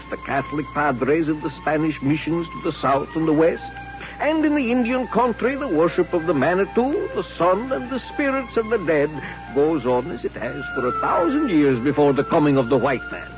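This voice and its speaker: An actor playing a wry, philosophical gypsy peddler who narrates an old radio drama in a theatrical, musing manner. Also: male voice, fairly high pitch. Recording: dull vintage radio recording, music behind.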